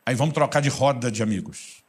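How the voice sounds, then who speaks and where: A husky-voiced man preaching at a brisk clip. He is a pastor who tells lively stories and acts out every dialogue himself. His pitch sits in an ordinary middle range. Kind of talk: sermon.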